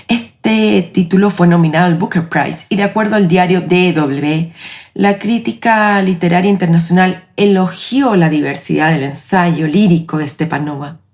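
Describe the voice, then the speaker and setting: A woman in her late forties with a Chilean accent, hosting her own podcast in a reflective, measured, personal narration. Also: lowish voice, creaky, darkish tone. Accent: Chilean Spanish. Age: 40s. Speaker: podcast host.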